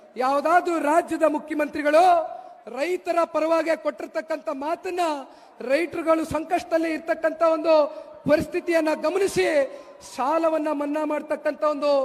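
A man talks at an extremely high pitch in a monotone, flat intonation. Noticeable background noise is present. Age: young. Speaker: political party speaker. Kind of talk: political rally speech. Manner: formal oratory.

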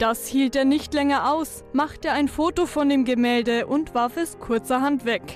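A woman's high-pitched voice with ordinary pitch variation at a fairly slow pace, music in the background. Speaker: TV reporter. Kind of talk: TV news report narration.

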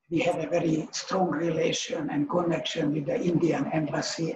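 A man speaks with a high pitch and fairly even intonation. Background noise is noticeable. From Hungary. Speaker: hospital director. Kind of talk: formal welcome speech. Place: gym.

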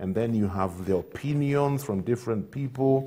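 A man talks at a moderate pace in a dark, mellow tone with ordinary pitch variation. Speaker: TV show host. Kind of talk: newspaper review, broadcast presenting. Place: studio. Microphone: lapel.

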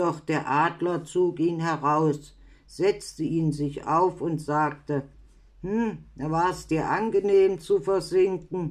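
Speaking at a very slow pace, a woman keeps fairly even intonation at a fairly low pitch. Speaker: fairy tale reader. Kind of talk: read story.

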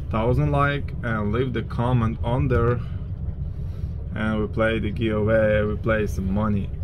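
A man speaks at a very slow pace in a fairly low pitch. Noticeable background noise runs behind him. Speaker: fishing vlogger. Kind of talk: casual vlog chat. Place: boat. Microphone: phone near.

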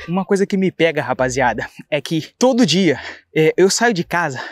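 This man's tone is animated and his pace moderate. The sound is dry and close, with no echo. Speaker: gaming youtuber. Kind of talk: casual vlog commentary while playing. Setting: outdoors.

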